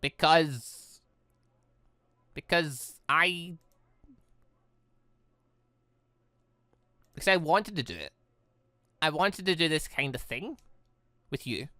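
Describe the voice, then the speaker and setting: Man putting on a high, flustered teenage girl. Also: animated, pushed and bright, dry recording, exaggerated voice. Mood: shy, hesitant. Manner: halting, stammering, pleading. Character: insecure, flustered, self-blaming teenage girl, monster hunter.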